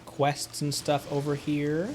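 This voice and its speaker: On a live game stream, a man chats casually and thinks aloud, rambling along with playful, silly interjections and nonsense words. His voice sits a little high and sounds slow, monotone, and somewhat dark in tone.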